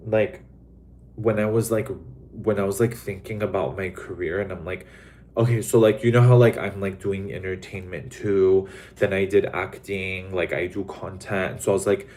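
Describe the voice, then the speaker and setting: Young guy from LA rambling on a livestream, kinda low voice, tons of likes and ums, swears casually. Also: darkish tone. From Los Angeles, USA. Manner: rambling, many fillers like "like" and "um". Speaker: livestream host. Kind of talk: casual chat to live viewers.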